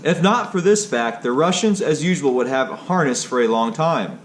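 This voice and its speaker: A man's voice: a little high, expressive, normal speed, slight background noise. A man narrating a history read aloud from a text, in a stilted way that is unsure on hard words.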